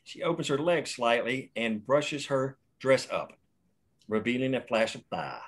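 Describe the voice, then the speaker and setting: A man's voice: mid-range voice, lively intonation, a little slow. A man plainly reading the action lines and stage directions at a screenplay table read.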